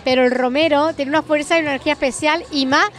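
A woman's voice: high voice, fairly even intonation, fast talker. A woman in her forties interviewing a guest outdoors at a night event, upbeat and guiding with questions. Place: beach bar terrace at night, outdoors. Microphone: handheld mic. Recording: music and crowd faintly behind.

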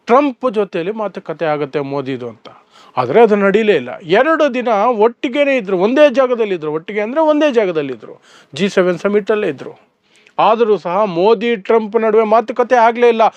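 A high-voiced man with a Kannada accent talks through the news in a sarcastic, emphatic way. He explains each point step by step in a steady solo commentary. The sound is dry and a little dull. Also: dry recording. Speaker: political commentator.

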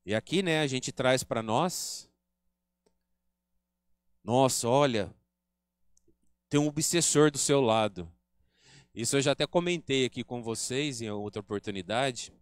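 A man's voice: mid-range voice, unhurried, pauses often, clear, resonant tone, no echo, clean studio sound. A man with a Brazilian Portuguese accent giving an earnest spiritist lecture at a spiritist center, teaching and acting out quoted remarks. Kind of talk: religious lecture.

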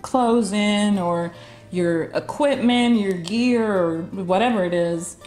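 A woman's voice: mid-range voice, takes it slowly, darkish tone, reverberant, faint music behind. A woman chatting casually on a video, showing her convention gear and laughing often. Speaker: YouTube convention reporter. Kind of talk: casual show-and-tell chat. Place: game room with arcade cabinets.

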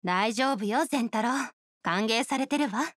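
High-voiced, proud oni idol played by an actress. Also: female voice, normal speed, fairly bright tone, dry recording, clean studio sound, close to an everyday voice. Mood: composed. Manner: poised, self-assured, exacting. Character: proud, perfectionist young oni woman, a star musician. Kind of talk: Japanese video game character voice lines.

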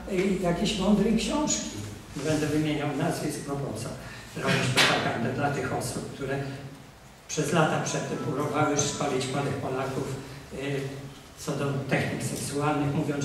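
An older man, a priest, gives a lecture on marriage at a conference table, with emphatic appeals and quiet asides. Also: on the high side, fairly even intonation, moderate pace. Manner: emphatic, exhorting, swings between loud appeals and quiet asides. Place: conference room, seated at a table. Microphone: table mic, camera from across the room. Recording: very echoey room, voice from a distance, faint noise.

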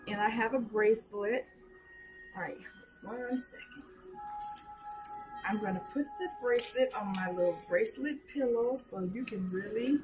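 A middle-aged woman with a hoarse, somewhat high voice chats slowly while showing off jewelry on a live sales stream. She talks into a webcam at arm's length in a small room. Faint music plays behind her. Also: low-quality recording. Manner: chatty, slow, showing items up close. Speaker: jewelry seller. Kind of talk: live sales show chat. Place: small decorated room indoors.

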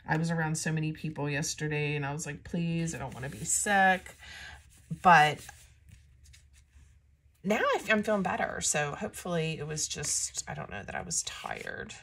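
A woman talking through a paper craft tutorial in a casual, chatty way, her voice a bit raspy from a coming cold. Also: fairly low pitch, a bit bright. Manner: chatty and self-deprecating, talks while working. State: slightly raspy from a starting cold. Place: crafting desk indoors, filmed from above.

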